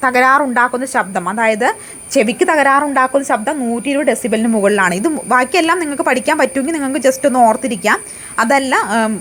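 A woman leads an exam prep lesson in a fairly high voice. She poses each question and answers it herself, repeating the key facts. Her delivery has frequent hesitations and restarts. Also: fairly bright tone. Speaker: exam coaching teacher.

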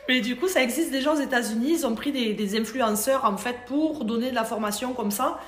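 A fairly high-voiced woman from France talks shop as a hairdresser in a relaxed interview. She speaks in a chatty, animated way and laughs easily, and her voice rings in a roomy, echoey space. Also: a little fast. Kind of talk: casual interview conversation.

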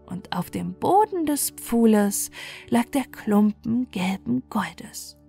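A woman's voice: fairly high pitch, expressive, slow, creaky, dark tone, husky. A woman storyteller narrating a bedtime fairy tale. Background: faint music.

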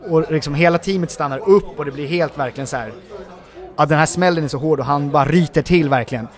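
A man, an actor guest in a casual interview, telling stories from film sets in a rambling, animated way with many filler words. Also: a little high.

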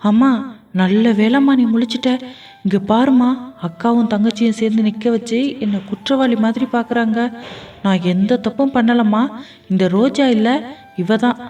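A woman storyteller voicing a middle-aged husband who makes hurried, defensive, wheedling excuses. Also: on the high side, mellow, lightly acted. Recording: dull distant lo-fi recording.

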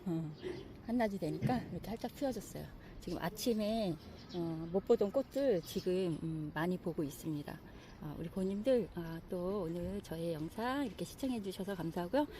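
A middle-aged woman chatting casually as she walks through her outdoor flower garden, admiring the plants with many soft fillers. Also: fairly low pitch, lively intonation, normal speed, a little hiss or hum. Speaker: gardening vlogger.

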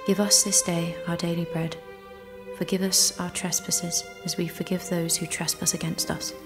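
A woman's voice: fairly low pitch, level tone, moderate pace, over music, lightly acted. A woman playing a devout, defiant young peasant maiden in an audio drama, speaking earnestly and fervently. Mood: prayerful.

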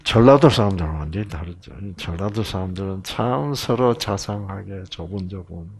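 Gravelly man giving a folksy Bible lecture. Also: low voice, moderate pace, a little mellow. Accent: Gyeongsang Korean. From Gyeongsang province, Korea. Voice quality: gravelly and husky. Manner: chatty storyteller, many fillers and asides. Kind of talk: relaxed anecdotal Bible lecture.

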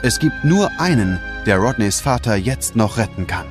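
A male narrator tells a children's audio story in standard German. His delivery is dramatic and animated, with music clearly playing behind him. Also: on the low side, normal speed.

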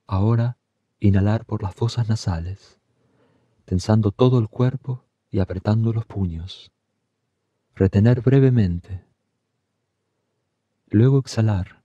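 A man leading a guided meditation, giving calm, soothing, unhurried instructions. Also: lowish voice, no room sound, muffled recording.

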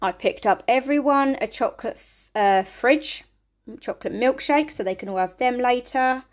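Chatty mum showing a food haul. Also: female voice, on the high side, normal speed. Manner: chatty, rambling, counts items aloud. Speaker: family vlogger. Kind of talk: casual food haul show-and-tell. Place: home kitchen, indoors.

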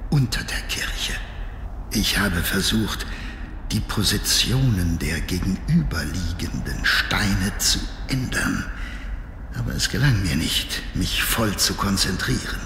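An actor playing a troubled, scholarly diarist in a horror adventure game, speaking in a solemn, formal, dramatic manner. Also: male voice, lowish voice, lively intonation, takes it slowly. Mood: grave. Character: troubled scholarly male diarist, obsessed and fearful. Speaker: game character reading a diary. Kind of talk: dramatic scripted narration. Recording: echoey hall reverb, background noise.

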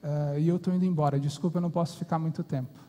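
A Brazilian man voicing a calm, polite doctor giving instructions and apologizing, in a reverberant hall. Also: on the high side, rapid-fire, voice pushed down, lightly acted.

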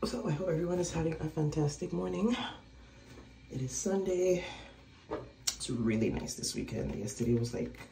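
A woman's voice: low-pitched, moderate pace, vocal fry, echoey room, slight background noise. Chatty woman, a bit throaty. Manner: chatty, relaxed, talks while doing makeup. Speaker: vlogger. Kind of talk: casual vlog chat to camera. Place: small indoor room, by a window. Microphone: phone camera close up.

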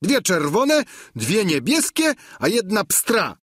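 A man's voice: wildly swooping pitch, takes it slowly, a bit bright, husky, dry recording, exaggerated voice. A man voicing a boastful, simple peasant squire who tells his tale in a raised, eager, emphatic voice, in a dry close recording. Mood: eager boasting. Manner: high, eager, emphatic telling.

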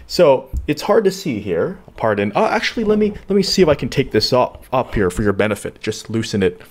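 A man's voice: medium pitch, big pitch swings, a little fast. A man hosting a casual home tech tutorial, talking playfully while fiddling with a handheld recorder at his desk. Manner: chatty, playful, talks while fiddling with gear. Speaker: tutorial host. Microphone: handheld portable recorder.

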